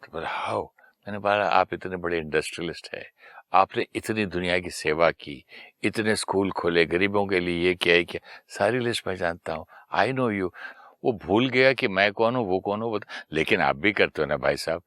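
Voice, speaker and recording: Deep-voiced Indian man telling a story. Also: normal speed, fairly bright tone, no echo, studio quality. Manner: anecdotal, acts out quoted dialogue. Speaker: guest. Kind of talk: storytelling in conversation.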